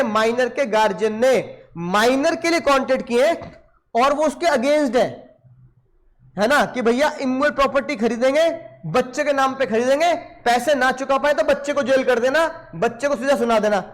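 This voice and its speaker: A man teaching law in an animated lecture, on the terms, who keeps asking his students questions and answering them himself. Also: very high-pitched, normal speed. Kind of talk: lively Hindi lecture.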